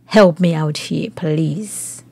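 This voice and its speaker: A woman's voice: deep voice, very slow, vocal fry, warm tone, slightly rough, no room sound. A woman hosting a podcast, reading news aloud and commenting on it, putting questions straight to the listener. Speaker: podcast host.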